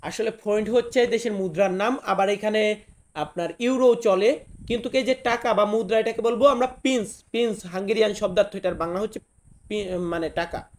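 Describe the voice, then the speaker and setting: A man from Bangladesh with a notably high voice gives a casual vocabulary lesson. He repeats each new word slowly and talks straight to his viewers. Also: darkish tone. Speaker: language teacher.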